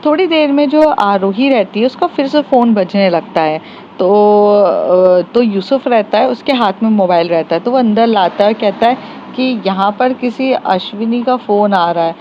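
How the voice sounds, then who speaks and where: A woman's voice: mid-range voice, animated, normal speed, dull audio, a little hiss or hum. A woman retelling a romance story in a casual, chatty way, with many fillers and restarts. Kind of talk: casual spoken storytelling podcast.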